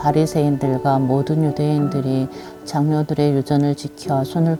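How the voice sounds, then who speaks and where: A woman's very deep, low pitch at a moderate pace, fairly even intonation, music in the background. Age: old. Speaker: Bible reader. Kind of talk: Bible reading.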